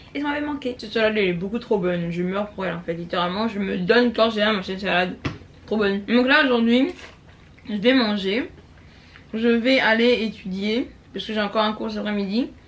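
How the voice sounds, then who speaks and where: A woman at a fairly high pitch, fairly quick pace with long, frequent pauses, and noticeable background noise. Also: ordinary pitch variation. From Ivory Coast. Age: young. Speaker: language student. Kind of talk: casual vlog talk to camera. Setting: background train noise.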